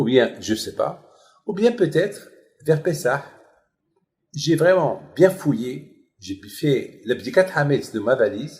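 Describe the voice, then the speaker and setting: A man speaks very slowly with a fairly high pitch, very wide pitch swings, vocal fry, big swings in loudness, and long, frequent pauses. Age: 70s. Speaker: rabbi. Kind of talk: sermon. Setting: live video stream. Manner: animated.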